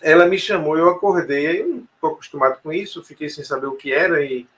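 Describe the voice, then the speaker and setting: A man's voice: on the high side, quick pace, fairly bright tone. A man telling a personal story in an interview, hesitant, with many fillers and restarts. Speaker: interview guest. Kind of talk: casual storytelling conversation.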